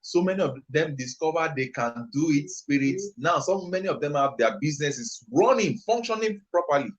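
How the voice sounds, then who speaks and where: A man's voice: a little high, expressive, normal speed, rough recording. A man with a Nigerian accent, an entrepreneur answering an interview question on a live stream, talking in a passionate, emphatic, rambling way. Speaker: entrepreneur and youth trainer, guest.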